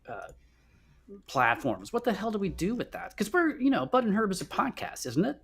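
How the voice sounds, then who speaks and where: A man's voice: high-pitched, huge pitch swings, moderate pace, vocal fry, breathy edge. A man chatting casually as a podcast co-host, emphatic and jokey, often repeating his phrases as he goes. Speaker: co-host of a podcast live show. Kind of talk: casual chat, bantering.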